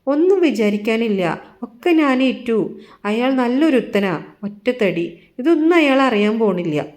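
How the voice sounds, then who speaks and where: A woman's voice: on the high side, expressive, measured pace, darkish tone. A woman doing a boastful old village matchmaker. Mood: reassuring.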